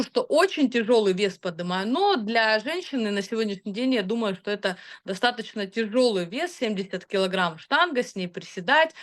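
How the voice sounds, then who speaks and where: A woman in her thirties talking casually about her own results, chatty and hesitant, with frequent filler sounds. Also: on the high side. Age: 30s. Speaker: customer sharing product results. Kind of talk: casual testimonial talk.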